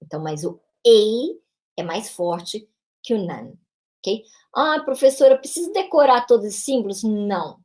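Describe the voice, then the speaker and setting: A woman's voice: medium pitch, darkish tone. A woman teacher with a São Paulo interior Brazilian accent walks through a pronunciation lesson. Her tone is explanatory and patient, and she keeps checking in with short tag questions. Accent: São Paulo interior Brazilian Portuguese. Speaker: English teacher.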